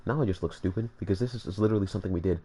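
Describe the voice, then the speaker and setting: Deep-voiced, dark-toned man doing game commentary. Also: racing, slight background noise. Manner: joking, rambling, talks to viewers. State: congested. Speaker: gaming channel host. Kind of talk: casual let's-play commentary.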